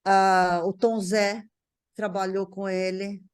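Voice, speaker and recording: A woman's voice: medium pitch, level tone, takes it slowly, clear, resonant tone. A middle-aged Brazilian woman recalling memories in casual conversation, often repeating words as she searches for phrasing. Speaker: guest recalling a writer relative.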